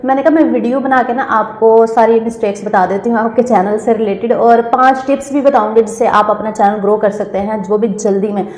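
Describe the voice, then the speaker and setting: A woman vlogger with a slightly hoarse throat, chatting casually to viewers in a small store room and repeating her points. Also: fairly high pitch, steady tone, fairly quick, few pauses, a little mellow. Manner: chatty, repeats phrases, addresses viewers directly. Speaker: vlogger giving channel tips. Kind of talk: casual vlog talk.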